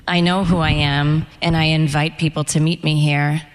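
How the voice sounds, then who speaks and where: Woman, middle-aged, American author, candid and reflective, low voice, long hall reverb. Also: level tone, unhurried. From United States. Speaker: author guest. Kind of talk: live event interview. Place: event hall.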